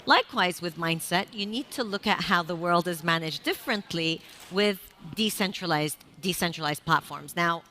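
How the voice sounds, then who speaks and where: A woman's voice: lowish voice, normal speed, hardly any pauses, bright, forceful tone, slight background noise. A woman moderating a conference panel, speaking fluently and framing the discussion. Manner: fluent, composed, introduces and frames topics. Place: conference stage.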